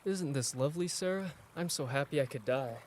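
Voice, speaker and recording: A man's voice: a little high, animated, brisk, a little mellow, lightly acted. A man playing a dismissive, placating husband in a student radio play acted live. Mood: content. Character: dismissive husband on an anniversary getaway, placating his wife. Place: radio studio with live sound effects. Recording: faint background noise, live studio sound effects.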